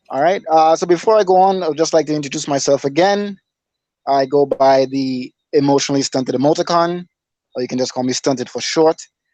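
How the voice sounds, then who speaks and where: The man's voice has a fairly high pitch and a dark, mellow tone. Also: ordinary pitch variation, dry, close sound with no echo. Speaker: debater, channel owner. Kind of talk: debate presentation. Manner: hesitant, many fillers.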